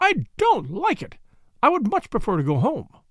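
The voice is a put-on character voice with a fairly high pitch. It moves at a moderate pace. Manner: wailing, distressed.

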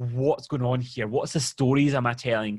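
A man with a Glasgow accent speaks at a moderate pace. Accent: Scottish (Glasgow). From Scotland, Glasgow. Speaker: business and mindset coach. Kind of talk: casual interview chat.

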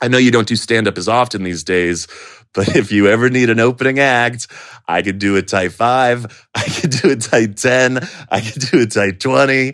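At a moderate pace, a man with a plain, everyday voice speaks at a medium pitch with ordinary pitch variation. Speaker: stand-up comic caller. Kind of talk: listener question.

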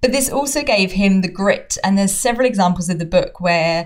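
Medium in pitch, a woman with a southern English accent speaks at a fairly quick pace. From southern England. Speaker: podcast host. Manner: conversational, thinks aloud.

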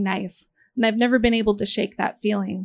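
At a fairly quick pace, a woman talks in an ordinary speaking voice, her pitch fairly high and her intonation fairly even. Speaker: memoir writer. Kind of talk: reading aloud. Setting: bar event with live audience.

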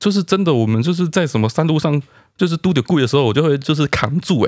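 Very fast speech from a man with a Taiwanese accent, fairly high in pitch with lively intonation, dry and close with no echo, on a very clean recording with a silent background. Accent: Taiwanese Mandarin. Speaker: podcast co-host. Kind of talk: casual chat.

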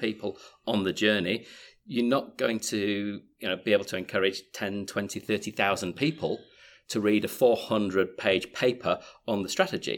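A man speaks at a fairly quick pace in a fairly low pitch with fairly even intonation, on a very clean recording with a silent background. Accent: Yorkshire. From Yorkshire, England. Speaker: author and business consultant. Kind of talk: casual interview conversation. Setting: studio.

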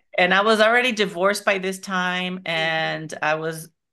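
A woman speaks with an American accent and a bright, sharp tone. The background is quiet. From Los Angeles, California. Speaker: entrepreneur and educational psychologist. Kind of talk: interview.

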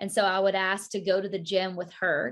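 In a quiet background, a woman with an American accent speaks at a moderate pace in a medium pitch. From US South, southwest central Virginia. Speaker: fitness studio owner and coach. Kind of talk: casual interview chat. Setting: home podcast studio, remote call.

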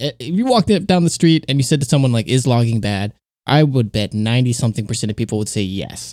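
A man speaks in a normal speaking voice with an American accent. His intonation is lively, and the recording is very clean with a silent background. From US South, Georgia. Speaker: podcast co-host. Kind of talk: casual discussion podcast.

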